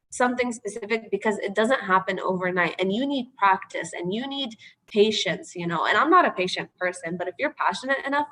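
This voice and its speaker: A woman answering a question in an online training session, chatty and earnest, with a dry throat she keeps clearing. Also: mid-range voice, fairly bright tone, poor audio. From Palestinian. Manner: chatty and earnest, frequent "you know" and "like". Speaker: media trainer.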